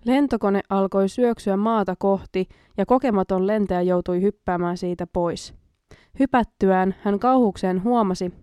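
A woman's voice: mid-range voice, darkish tone, no room sound, clean studio sound. A woman hosting a casual late-night show, reading jokes aloud and giggling at the punchlines. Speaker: host reading listener jokes.

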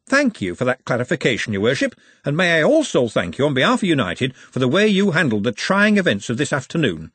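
A man's voice: fairly high pitch, huge pitch swings, brisk, hardly any pauses, a bit bright, husky, dry recording, voice pushed up, exaggerated voice. A man voicing a mild, dry-witted middle-aged male butcher in an audiobook. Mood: wry. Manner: dry, sarcastic.

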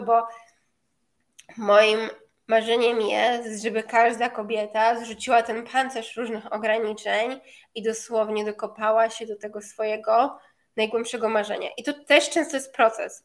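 Higher-voiced woman coaching a guided meditation. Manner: informal, direct address to listeners. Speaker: meditation coach leading a session for women.

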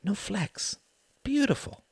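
A man voicing a guarded, sensitive younger brother in an audiobook, wary and soft-spoken. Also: on the high side, huge pitch swings, extremely slow, no echo, clean studio sound, voice pushed up, full character voice. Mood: hushed wonder.

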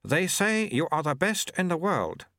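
Man doing a mysterious cloaked stranger, slow measured formal speech, dry close sound. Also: fairly high pitch, big pitch swings, bright, forceful tone, no room sound, pitched above the performer's own voice, exaggerated voice. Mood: solemn.

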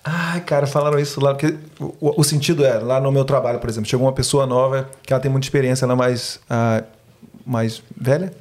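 A man's voice: medium pitch, fairly even intonation, quick pace, darkish tone, slight background noise. A man co-hosting a podcast, chatting loosely and trailing off as he hunts for words. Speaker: podcast co-host. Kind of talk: casual chat.

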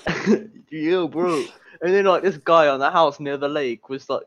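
Muffled, higher-voiced man rambling casually. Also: measured pace, a bit bright, dry recording. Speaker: podcast co-host. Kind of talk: casual chat and storytelling.

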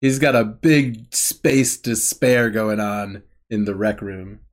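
A man's voice: lowish voice, slow pace. A man co-hosting a casual podcast, recapping a TV episode with wry, laughing asides. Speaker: podcast co-host.

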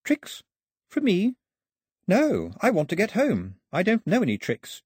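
A man's voice: sits high, huge pitch swings, measured pace, darkish tone, husky, dry recording, clean studio sound, pitched above the performer's own voice, full character voice. A man voicing a brave, well-spoken young girl in a storybook, polite and precise. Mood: coolly defiant.

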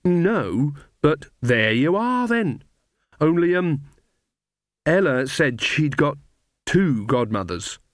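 A man's voice: on the high side, very animated, slow, pauses often, dry recording, voice pushed up. Guy doing young witch lady for audiobook, earnest, prim, bit unsure of herself, dry recording. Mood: hesitant. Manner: hesitant, prim. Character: earnest, hesitant, virtuous younger woman witch. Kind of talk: audiobook character voice.

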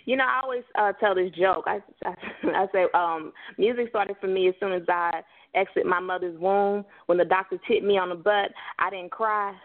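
A woman's voice: mid-range voice, normal speed. A woman musician giving an interview over a crackly phone line that fades in and out, talking hesitantly with many fillers and laughing at her own jokes. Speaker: musician guest.

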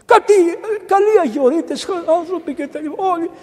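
A man, a priest, delivering a lively, colloquial sermon, swinging between loud exclamations and hushed asides. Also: very high voice. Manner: colloquial, storytelling. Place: large church. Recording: echoey church with long reverb.

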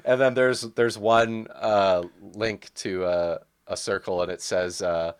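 A man in his early thirties with a notably low voice, talking film in a relaxed conversational way. His phrasing is loose and informal, as in an unscripted podcast chat. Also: takes it slowly, smooth. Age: early 30s. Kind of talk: casual conversation about movies.

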